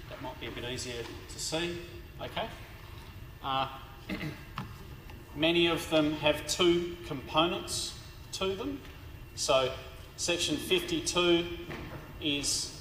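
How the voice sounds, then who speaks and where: A male law lecturer whose voice is hoarse and worn from long teaching. He talks slowly, pausing, restarting and adding fillers, a little higher in pitch than most men. The recording carries the long echo of a big lecture hall with steady background noise. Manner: slow and halting, with many fillers and restarts. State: hoarse, tired voice. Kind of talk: university lecture.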